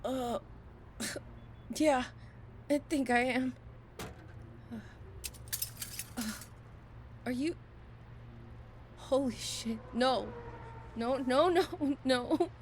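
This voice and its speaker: A woman's voice: high-pitched, extremely slow, long pauses, a little hiss or hum. A woman playing a stubborn, loyal friend in an audio drama, crying and stammering with grief. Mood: dazed, panicked. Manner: stammering, sobbing, protesting.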